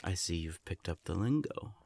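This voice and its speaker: A man playing a formal vampire elder in an audio drama, measured and dryly condescending. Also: deep voice, expressive, creaky, darkish tone, a little hiss or hum.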